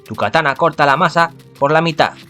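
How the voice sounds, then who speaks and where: A man's voice: a little high, fairly quick, bright, forceful tone, faint music behind. A man with a Spanish accent from Spain, reading a visual novel aloud and stumbling, often correcting himself and adding asides. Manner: stumbling, frequent self-corrections.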